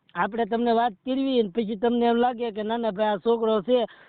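A man's extremely high voice in a flat monotone. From Saurashtra, Gujarat (Bhavnagar district). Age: 20s. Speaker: caller seeking advice. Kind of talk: phone call-in conversation. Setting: phone call.

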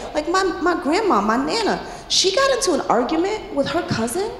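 Extremely high-pitched woman's voice with very wide pitch swings, audible room echo and music in the background. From New York City. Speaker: stand-up comedian. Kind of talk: stand-up comedy set to a live audience, with jokes and crowd work. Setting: stage with audience. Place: stage. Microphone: handheld.

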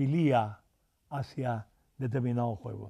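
A man speaks at a very slow pace in a dark, mellow tone. His pitch varies an ordinary amount, over a quiet background. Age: 80s+. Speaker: essayist and lecturer; lecturer. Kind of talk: lecture. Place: hall. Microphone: podium.

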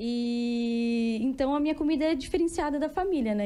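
This woman talks at a moderate pace with a high pitch. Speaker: interviewee. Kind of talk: interview answer. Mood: cheerful, playful. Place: kitchen. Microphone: handheld.

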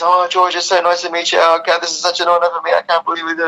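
Putting on a squeaky character voice, a man rattles along at a very fast pace in a high pitch. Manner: nervous, awestruck, gushing.

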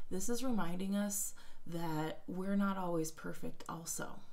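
Soft-spoken and fairly low-pitched, a woman talks at a very slow pace with ordinary pitch variation. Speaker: tarot reader. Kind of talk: tarot reading talk to camera. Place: home room. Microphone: phone near.

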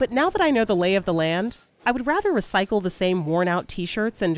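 The sound is dry and close with no echo as a woman talks at a fairly quick pace in an ordinary speaking voice. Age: 30s. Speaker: personal finance video essayist. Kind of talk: scripted narration.

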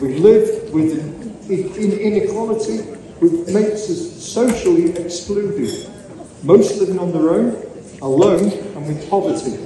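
A man with a high pitch speaks at a fairly slow pace, with audible room echo and light background noise. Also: ordinary pitch variation. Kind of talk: rights speech to a parliament, prepared and formal. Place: hall. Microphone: podium.

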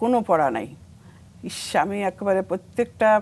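Her pitch varying in an ordinary way, a woman talks at a medium pitch. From Noakhali, Bangladesh; Bangladesh. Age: 60s. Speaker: war veteran and school headmistress; talk show guest. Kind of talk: interview testimony. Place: studio.

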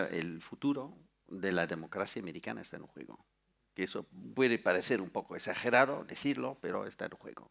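With vocal fry and a very deep, low pitch, a man makes very wide pitch swings and big swings in loudness against a quiet background. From United States. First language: English (speaking Spanish). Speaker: former ambassador; guest. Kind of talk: panel discussion. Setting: stage with audience. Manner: halting. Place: stage. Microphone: headset.

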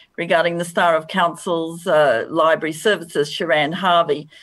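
Fairly even intonation from a woman speaking with an Australian accent. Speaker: city councillor. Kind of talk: council debate speech. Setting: council chamber. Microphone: video call.

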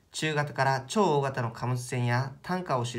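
With ordinary pitch variation and a moderate pace, a man talks in a somewhat breathy voice. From Saga Prefecture, Japan. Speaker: individual investor and YouTuber. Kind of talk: casual solo video narration, unboxing shareholder mail. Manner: casual, conversational. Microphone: phone near.

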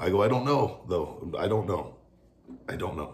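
Fairly low in pitch, a man talks at a fairly slow pace with lively intonation. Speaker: vlogger. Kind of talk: casual vlog chat. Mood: amused, storytelling. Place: home room. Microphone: phone near.

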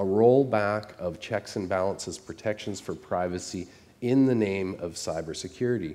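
A man's fairly low voice with a dark, mellow tone, ordinary pitch variation and a moderate pace. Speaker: cybersecurity researcher; panelist. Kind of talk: panel discussion. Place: stage. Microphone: headset.

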